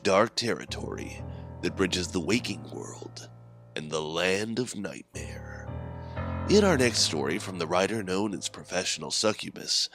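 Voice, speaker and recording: A man hosting and narrating horror stories in a scripted, measured, theatrical manner, with deliberate phrasing. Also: on the low side. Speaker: horror anthology host and narrator.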